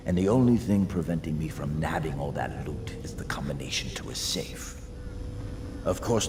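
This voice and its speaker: Gruff game gang boss: very deep, gravelly drawl, sly slang, echoey space. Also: male voice. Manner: sly, folksy streetwise drawl, ungrammatical slang. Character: gruff, shrewd middle-aged male street gang boss. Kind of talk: video game character dialogue. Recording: echoey reverberant hall with background noise.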